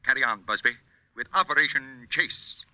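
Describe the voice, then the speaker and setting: A man's voice: mid-range voice, moderate pace, pushed and bright, a little hiss or hum. An actor playing a pompous, impatient male movie studio head in a 1950s radio drama, demanding and blustering.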